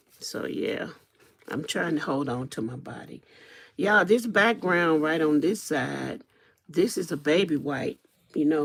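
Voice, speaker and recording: Her pitch sits very deep and low, with ordinary variation, in a Southern US accent. The woman talks at a fairly slow pace. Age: 60s. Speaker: crafter livestreamer. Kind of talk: casual livestream chat while crafting. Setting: live stream.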